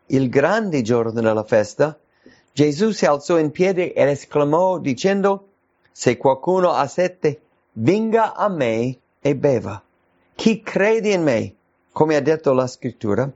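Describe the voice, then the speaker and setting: A man preaching an informal sermon, answering viewers' letters, slow and earnest, stretching out his emphasis on scripture. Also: mid-range voice, darkish tone. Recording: dull lo-fi recording.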